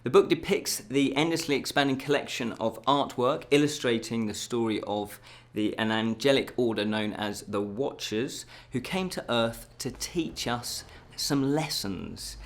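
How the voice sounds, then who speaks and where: Guy reading geeky news for his web show, jokey, bit fumbly, ad-libs a lot. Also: medium pitch. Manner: jokey, self-deprecating, stumbles over words and names. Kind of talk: informal scripted news presenting with ad-libs.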